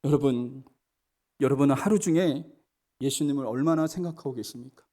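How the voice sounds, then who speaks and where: A middle-aged male pastor giving a sermon, earnest, often calling out to the congregation and moving between loud emphatic preaching and quiet storytelling. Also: medium pitch, brisk.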